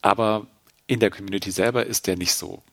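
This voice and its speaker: A man from Germany working as a sign language interpreter, calmly explaining terms in an interview with thoughtful pauses. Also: on the low side, dry recording. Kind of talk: interview conversation.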